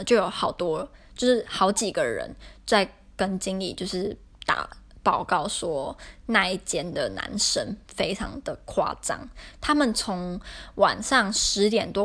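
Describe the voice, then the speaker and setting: A woman's voice: mid-range voice, a bit bright. A young woman, telling a story casually in an exasperated, rambling way. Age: young adult. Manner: exasperated, rambling retelling with many fillers. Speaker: podcaster.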